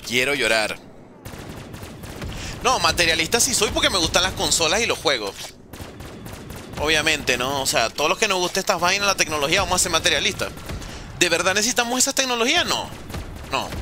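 Un hombre joven que transmite en vivo un videojuego, bromeando y respondiendo mensajes del chat en tono casual. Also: male voice, high voice, big pitch swings, fast talker, background noise. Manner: joking, reads and answers chat messages. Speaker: gaming streamer. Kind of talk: casual live-stream chat.

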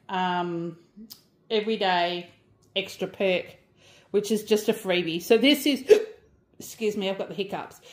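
A woman's voice: on the high side, roomy sound. A middle-aged Australian woman chatting casually through a grocery haul, rambling with lots of ums. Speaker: vlogger.

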